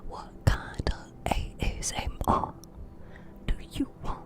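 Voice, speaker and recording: A woman from the United States whispering ASMR close to the mic in a playful, teasing way. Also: slow. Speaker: ASMR creator.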